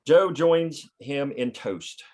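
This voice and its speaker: Man reading screenplay directions, medium pitch. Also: lively intonation, slow, darkish tone. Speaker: stage-direction narrator. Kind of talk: scripted narration, screenplay table read.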